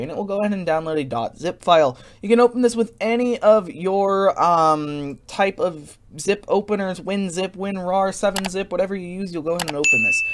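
A tired man giving a casual narration for a screen-recorded software tutorial, as the host. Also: on the high side.

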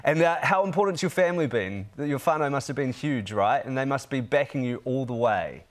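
A man's voice: medium pitch, lively intonation, brisk. A man in his thirties presenting breakfast television from a studio, upbeat and chatty, on a lapel mic. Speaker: TV news presenter. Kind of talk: breakfast TV interview.

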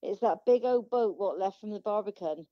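A woman's voice: mid-range voice, moderate pace, dry recording, natural voice. A woman playing a blunt, sceptical local in a radio drama, dismissive and colloquial. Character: brusque, sceptical working-class local woman. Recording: dull muffled phone sound.

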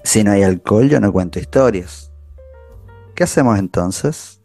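Man playing gravelly, mellow gay storyteller. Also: fairly low pitch, animated, unhurried, faint music behind. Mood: wry, weary. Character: world-weary, hard-drinking gay writer telling his stories. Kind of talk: radio theatre storytelling.

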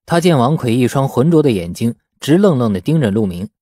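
A male audiobook narrator with a mellow, warm tone and a medium pitch. He reads fiction dramatically, with lively intonation, in a dry, close recording. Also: fairly quick, no room sound. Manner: expressive storytelling. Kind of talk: dramatic scripted narration of a novel.

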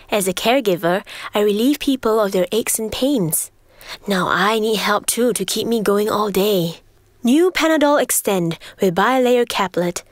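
A woman doing polished scripted commercial voice-over as an actress. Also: fairly high pitch.

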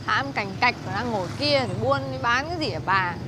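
An actress playing a quick, sharp-tongued young woman opening her own shop in a TV drama. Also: a little high, animated, noisy background, natural voice. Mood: glum. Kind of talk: TV drama acting.

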